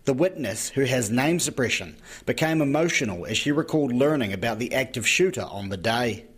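New male court reporter, husky voice, even scripted news read. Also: mid-range voice, fairly quick.

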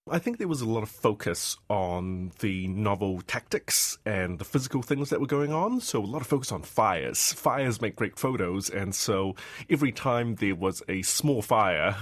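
Husky, reflective journalist from Hong Kong. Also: male voice, on the low side, expressive, normal speed, dry recording. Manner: reflective, explanatory. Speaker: journalist guest. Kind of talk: interview answers.

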